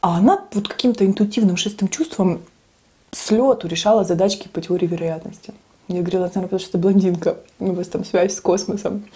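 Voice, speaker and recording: Speaking very fast, a woman's voice shows ordinary pitch variation. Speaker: eating vlogger. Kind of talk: casual vlog chat. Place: kitchen.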